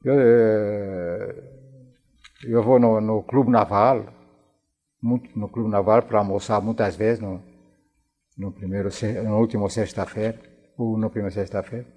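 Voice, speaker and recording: A very old man with a French accent and a dark, soft-edged voice recalls things in an interview. He speaks haltingly, circling back to repeat words as a non-native speaker does. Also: lowish voice, steady tone. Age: 90s. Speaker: interview guest, war veteran. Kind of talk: conversational recollection in a television interview.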